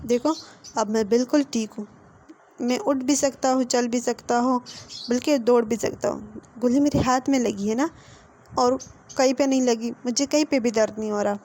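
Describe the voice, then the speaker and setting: Woman reads a calm, teasing young man, quiet and warm-toned. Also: a little high, normal speed, slight background noise, lightly acted. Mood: soothing. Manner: soft, soothing, teasing. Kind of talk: fan-fiction storytelling.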